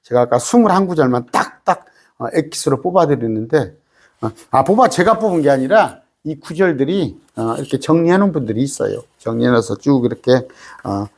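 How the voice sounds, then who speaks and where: A man's voice: mid-range voice, expressive, fairly quick, a little mellow. A male pastor with a Jeolla accent, preaching an emphatic, folksy Bible study sermon full of rhetorical questions. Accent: Jeolla Korean.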